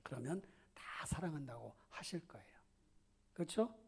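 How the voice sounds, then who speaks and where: A pastor delivers a Sunday sermon in church, talking to the congregation in a conversational way. The voice sits at a medium pitch and keeps sliding down into soft, almost whispered passages. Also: expressive, moderate pace, vocal fry, slightly rough. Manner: conversational, addresses the congregation with questions and asides.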